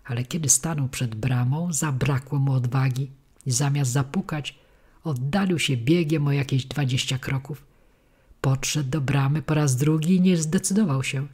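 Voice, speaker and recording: Husky-voiced woman reading a children's story. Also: very deep voice, normal speed, dark tone. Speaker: audiobook reader. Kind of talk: storybook narration.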